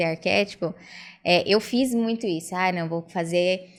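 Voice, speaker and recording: A woman speaks at a moderate pace with fairly even intonation in a very clean recording with a silent background. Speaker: talk show host and mentor. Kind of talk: interview conversation.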